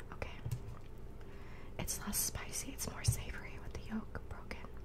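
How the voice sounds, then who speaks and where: A woman speaks over loud background noise. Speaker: ASMR content creator. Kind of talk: casual talk to camera, mukbang. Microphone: studio mic.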